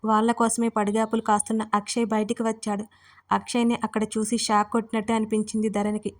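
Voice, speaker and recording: A woman storyteller narrates a scripted romance in a steady reading voice. Her pitch is a little high and barely moves, keeping an even tone line after line. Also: fast talker.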